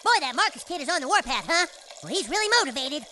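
A woman's voice: sits high, very animated, fast talker, bright, forceful tone, heavily acted. A woman voicing a sweet, cheerful little boy who rambles chirpily. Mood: chirpy.

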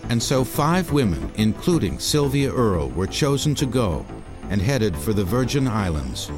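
A man's voice: lowish voice, very animated, moderate pace. A man with an American accent reading scripted documentary narration as the narrator. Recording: music bed under narration.

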